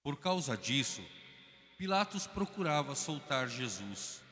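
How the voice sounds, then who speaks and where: A Brazilian man narrating a liturgical Passion reading in an even, measured way in a large church. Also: mid-range voice. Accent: Brazilian Portuguese. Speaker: narrator reader. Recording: long church reverb.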